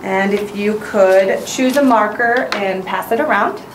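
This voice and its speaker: A woman teacher giving clear, encouraging instruction, in the style of a lesson. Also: medium pitch, unhurried. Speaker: English teacher. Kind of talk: instructional narration and classroom teaching. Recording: roomy echo, faint background noise.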